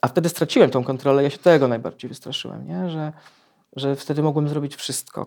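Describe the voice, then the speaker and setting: A man with a rather high voice talks fairly fast, his pitch shifting in an ordinary manner. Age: 40s. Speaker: poet and recovering alcoholic. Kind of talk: personal testimony in interview. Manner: halting, many repetitions and fillers.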